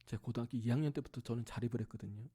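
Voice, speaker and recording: Rapid-fire and husky, this middle-aged pastor's mid-range voice fills a church sanctuary as he tells a personal family story in his sermon. He breaks into his family members' voices in lively bursts and quiets to a near-whisper at tender moments.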